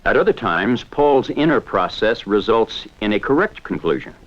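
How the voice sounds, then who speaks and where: A man giving measured, explanatory scripted narration for a 1970s educational film. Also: lowish voice, big pitch swings, muffled recording.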